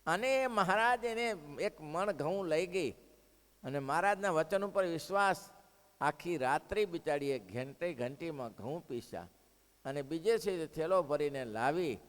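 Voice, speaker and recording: A man preaching a devotional sermon, telling stories with animated swings between loud exclamations and hushed asides. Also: a little high, measured pace. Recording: long hall reverb.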